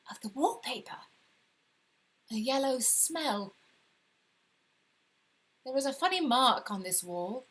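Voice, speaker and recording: A woman with a British accent playing an obsessive, secretive Victorian wife slipping into madness, confiding intensely in a dramatic story reading. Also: sits high. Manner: confiding, intense, with sudden hushed emphasis. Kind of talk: dramatic first-person short story reading. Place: live reading over video call.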